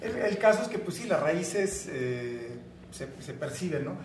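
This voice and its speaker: Host, man, high voice, encouraging, finishes the guest's sentences, roomy sound. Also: very animated, measured pace, over a noisy crowd. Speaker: podcast host. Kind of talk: casual interview chat. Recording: roomy echo, faint noise.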